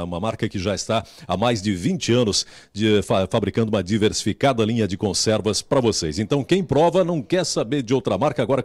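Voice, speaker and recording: A man's voice: on the low side, a little mellow, no echo. Upbeat Brazilian male TV reporter. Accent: Brazilian Portuguese. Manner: upbeat, exclaiming, repeats words. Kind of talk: live TV cooking segment. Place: home kitchen. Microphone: handheld mic.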